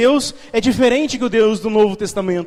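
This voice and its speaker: Talking at a fairly quick pace, a man uses an extremely high pitch with ordinary pitch variation. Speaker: guest pastor. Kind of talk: sermon. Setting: church. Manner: fast.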